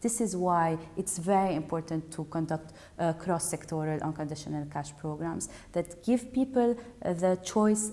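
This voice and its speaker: A woman's voice: low-pitched, mellow. A woman humanitarian worker explaining her view in an interview.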